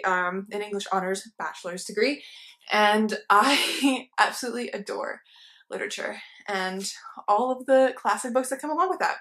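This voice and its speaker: A woman's voice: fairly high pitch, a bit bright. A woman in her twenties, a book vlogger talking casually to camera at home, chatty and laughing often between words. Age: 20s. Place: living room with armchairs and a plant.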